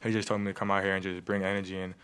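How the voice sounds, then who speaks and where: A young man, a first-year college basketball player, giving relaxed postgame answers at a table mic in a press room. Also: low voice, very fast, smooth. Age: young adult. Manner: laid-back, relaxed, repeats "I mean". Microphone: table mic on stand.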